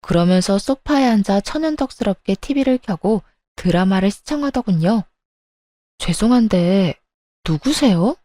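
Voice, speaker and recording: Brief: woman storyteller, warm mellow tone, dry close sound, indignant confiding narration. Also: medium pitch, expressive, moderate pace, hardly any pauses, no echo. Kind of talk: scripted first-person story narration.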